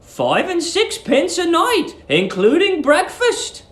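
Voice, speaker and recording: A sweet, eerily eager middle-aged English landlady played by a man coos in a very high, swooping voice. She is genteel and lingers on her words, as in a storybook reading in a roomy, echoing space. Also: huge pitch swings, fairly bright tone, exaggerated voice. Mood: sweetly coaxing. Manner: cooing, genteel, drawn-out emphasis.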